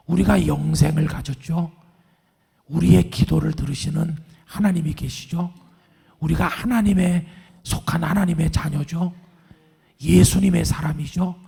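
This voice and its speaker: Hoarse middle-aged male pastor, raspy half-whisper, fairly high pitch, preaching calmly with long church reverb. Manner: calm, earnest, reassuring. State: hoarse, strained voice after vocal cord surgery. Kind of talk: sermon. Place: large church sanctuary.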